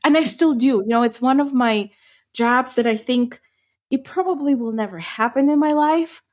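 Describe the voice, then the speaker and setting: A woman's voice: high-pitched, normal speed. Middle-aged woman, thoughtful. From Ukraine. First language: Ukrainian. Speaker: podcast co-host. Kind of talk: casual chat.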